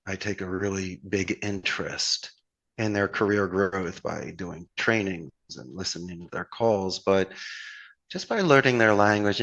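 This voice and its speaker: In a podcast interview, a man from Philadelphia who owns a call center shares motivational stories in his hometown accent. His voice is low with a fairly bright tone, and his delivery is earnest, flowery and packed with rhetorical questions.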